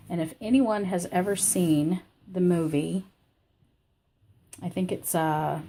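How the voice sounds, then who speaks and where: A woman with a scratchy, croaky voice from illness, hosting a crafting channel. She gives a rambling, chatty personal update from her home craft room. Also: on the low side, warm tone. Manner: rambling and chatty, with many fillers. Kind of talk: casual personal update chat.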